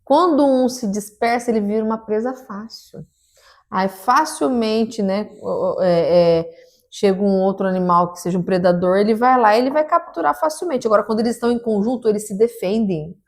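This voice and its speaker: A woman's voice: medium pitch, animated. A woman co-hosting a casual Christian podcast, talking earnestly and stopping to restart her phrases. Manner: earnest, preachy, halting with restarts. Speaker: podcast co-host.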